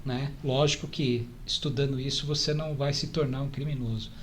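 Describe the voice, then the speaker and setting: Male podcast guest, 40s, São Paulo accent, mid-pitched, conversational, some background noise. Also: steady tone, fairly quick. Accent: São Paulo Brazilian. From São Paulo, Brazil. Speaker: podcast guest, church stake president. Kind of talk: casual interview chat.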